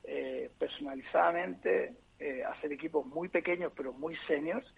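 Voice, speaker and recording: A man from Chile, a guest on a podcast, talks thoughtfully with many hesitations and restarts in a husky, gravelly voice. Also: a little high, normal speed. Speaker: agency partner, guest. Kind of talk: conversational podcast interview. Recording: tinny phone-line sound.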